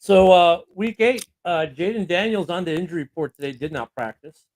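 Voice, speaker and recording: A man's voice: high-pitched, expressive, brisk, a little mellow. A man co-hosting a casual sports chat show, talking loosely with fillers and laughs. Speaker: podcast co-host.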